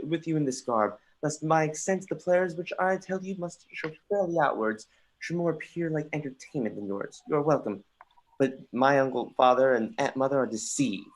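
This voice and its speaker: A performer acts out a young Danish prince in a Shakespearean stage reading. He is sardonic and brooding, declaiming theatrically at a middling pitch, with the odd stumble over the verse. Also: darkish tone, lightly acted, poor audio. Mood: sly, mock-courteous. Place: remote livestream from home.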